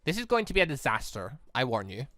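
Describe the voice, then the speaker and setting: A man's voice: medium pitch, big pitch swings, fast talker, bright, forceful tone, no room sound, clean studio sound, pitched below the performer's own voice. A man voicing a haughty but affectionate young upper-class woman in a visual novel, prim, exasperated and teasing. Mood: resigned warning. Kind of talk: visual novel read aloud.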